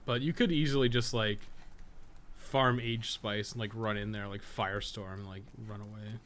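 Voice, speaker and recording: A man giving casual, rambling live commentary as he plays a game, thinking out loud and swearing freely. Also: on the low side, fairly even intonation, normal speed, slight background noise. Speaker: game streamer and guide maker.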